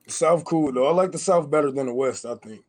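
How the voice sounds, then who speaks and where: A man's voice: a little high, a little fast, darkish tone, dry recording. Laid-back man on a dry mic. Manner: laid-back, slangy talk. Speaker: livestream co-host. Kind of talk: casual livestream chat.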